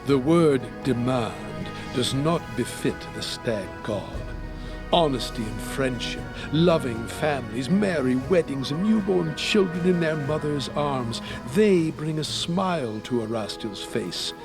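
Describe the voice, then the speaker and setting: An actor voicing a devout, earnest man of faith in a video game, speaking in a formal, measured, preachy way. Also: medium pitch, lively intonation, vocal fry, over music. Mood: devout, reverent. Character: devout, earnest man preaching an old rural hunting god. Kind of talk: scripted video game dialogue.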